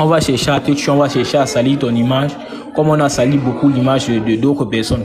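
Over music in the background, a man talks at a fairly quick pace in a fairly high voice with ordinary pitch variation. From Cameroon. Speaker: political commentator. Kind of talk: debate. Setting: online live stream.

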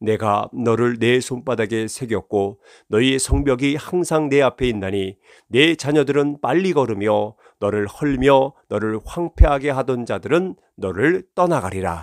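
Here a man with an unremarkable speaking voice at medium pitch talks at a fairly slow pace with lively intonation. The very clean recording has a silent background and a dry, close sound with no echo. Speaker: pastor. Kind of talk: fervent intercessory prayer. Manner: earnest, pleading, rhythmic.

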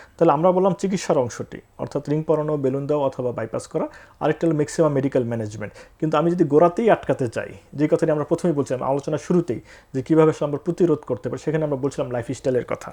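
A man's fairly high-pitched voice has a dark, mellow tone and ordinary pitch variation, set against a quiet background. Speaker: vascular surgeon. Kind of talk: expert interview on live health show. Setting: studio.

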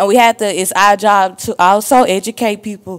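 A woman with an American accent speaks at a moderate pace with fairly even intonation in a quiet background. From Mississippi Delta. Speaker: community organizer, audience member; audience member. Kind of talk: audience question and comment. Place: hall. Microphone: handheld.

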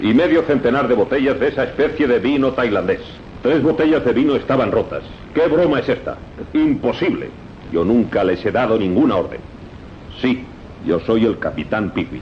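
Against light background noise, a man speaks in a stern tone at a moderate pace, with very even loudness and long, frequent pauses. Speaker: voice actor. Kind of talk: radio drama acting. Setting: 1980s radio drama recording. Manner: stern, authoritative, interrogating. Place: studio. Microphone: old recording.

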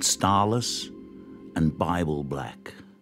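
A man talks with a dry sound and no echo. Faint music plays in the background. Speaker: actor. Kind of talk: dramatic reading of a radio play. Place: studio. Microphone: studio mic.

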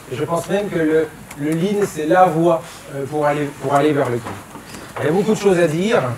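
A man holds a moderate pace and ordinary pitch movement while noticeable noise runs in the background. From eastern France. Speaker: company CEO. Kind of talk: conference talk. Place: meeting room.

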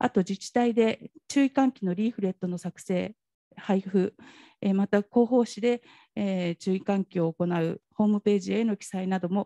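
Her voice has a dark, mellow tone, and the woman speaks at a moderate pace with fairly even intonation in a dry recording with no echo. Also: quiet background. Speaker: local councillor. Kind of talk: moderating an online study session. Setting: video call. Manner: formal. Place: meeting room. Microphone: handheld.

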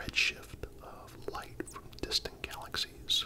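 A man whispers at a very slow pace. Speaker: ASMR creator. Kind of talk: educational ASMR narration about cosmology. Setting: ASMR video, close-mic studio style. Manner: calming, whispered narration. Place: home room. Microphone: studio mic.

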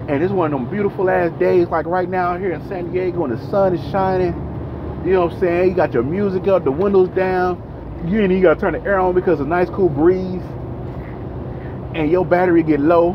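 A man at a fairly quick pace with fairly even intonation, dry with no echo, over noticeable background noise. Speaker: truck driver vlogger. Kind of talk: casual vlog chat. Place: car. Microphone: earbuds.

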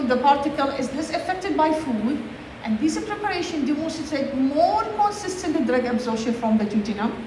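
Against noticeable background noise, a woman with a high pitch speaks at a moderate pace with very wide pitch swings. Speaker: university lecturer in pharmacy. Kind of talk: lecture with English technical terms mixed in. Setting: classroom with students. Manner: interactive, asks students questions.

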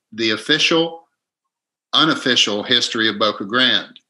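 A man with an American accent has a fairly high pitch and a bright, sharp tone. He speaks at a fairly slow pace with ordinary pitch variation. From Florida. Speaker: book discussion participant. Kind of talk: casual group discussion. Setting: video call. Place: home room. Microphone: webcam.

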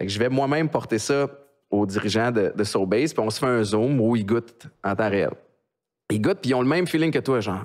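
Man with a Quebec accent, fairly quick pace, ordinary pitch variation, quiet background. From Quebec, Montréal-Nord; Quebec, Canada. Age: 30s. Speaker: entrepreneur and former football player; podcast guest. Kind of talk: casual interview chat. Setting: studio. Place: studio. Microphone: studio mic.

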